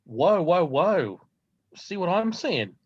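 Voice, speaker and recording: A man acts a laid-back policeman in a comedy read, heard over dull online audio. His fairly high voice is blokey and casual, handing out blunt safety advice. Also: big pitch swings, slow, a little hiss or hum, full character voice. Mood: matey.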